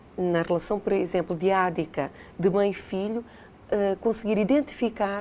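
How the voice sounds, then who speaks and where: With a European Portuguese accent, a woman speaks at a medium pitch and a fairly slow pace in a dark, mellow tone with ordinary pitch variation. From Portugal. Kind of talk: TV interview. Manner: hesitant with many fillers.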